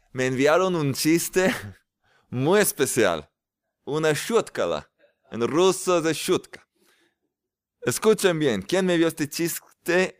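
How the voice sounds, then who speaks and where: A man giving a casual, lively spiritual lecture as a religious teacher, drawing out stressed words. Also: on the high side, no echo, studio quality.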